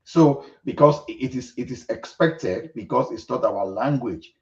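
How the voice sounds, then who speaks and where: Gravelly-voiced Nigerian man with Ekiti accent. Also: mid-range voice, a little slow, distant mic, lo-fi sound. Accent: Ekiti Yoruba. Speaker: panelist on a live audio show. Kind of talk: live online discussion.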